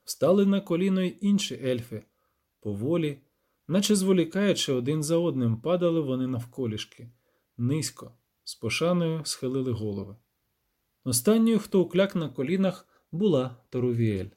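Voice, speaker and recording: A man narrating a fantasy audiobook in a dramatic, expressive reading. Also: a little high, normal speed.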